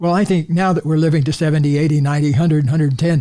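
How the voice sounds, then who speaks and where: A man speaks with a fairly high pitch. His dark, mellow tone is somewhat breathy. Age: 70s. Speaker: co-host, author and psychologist. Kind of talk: casual podcast conversation. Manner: halting.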